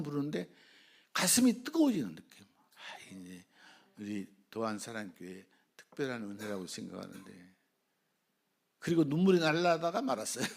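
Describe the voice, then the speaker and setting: Here a man speaks at a moderate pace. His pitch swings very widely. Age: 70s. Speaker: retired senior pastor. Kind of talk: sermon.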